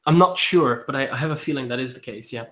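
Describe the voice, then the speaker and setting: Guy hosting a book livestream, mid pitch, lots of ums and little laughs. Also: fast, fairly bright tone. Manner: hesitant, many ums and restarts; laughs often while talking. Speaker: booktube host. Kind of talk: casual live-stream book chat.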